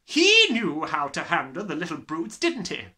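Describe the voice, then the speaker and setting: A man voicing a harsh, sneering, bullying middle-aged headmistress in a children's storybook, with snapping, drawn-out emphasis. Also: a little high, huge pitch swings, sharp tone, pitched above the performer's own voice, heavily acted. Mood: scornful lecturing. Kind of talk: dramatised children's storybook reading.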